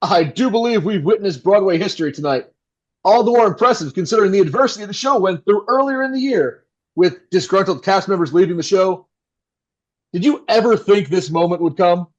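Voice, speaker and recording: A high, swooping voice for a 1960s radio host, played by a male actor, full of showy, affable patter with a jerkish edge underneath. The sound is slightly dull and lo-fi. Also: animated, brisk. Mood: polished, eager. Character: slick, affable 1960s radio host, a crude jerk off air. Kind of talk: 1960s radio announcer acting.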